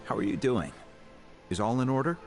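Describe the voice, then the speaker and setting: A man voicing a solemn tribal chief in a video game, speaking in measured, ceremonial phrases. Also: mid-range voice, lively intonation, music in the background, close to an everyday voice. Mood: earnest.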